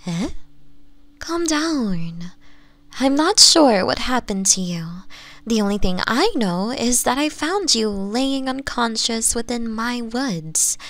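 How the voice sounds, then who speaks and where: A sweetly teasing, possessive fox woman played by a woman in an ASMR roleplay. Her voice is fairly high and unhurried, soft and coaxing, slipping into breathy whispers. The sound is close and dry, with almost no room to it. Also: expressive, no room sound, exaggerated voice. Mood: gentle, curious.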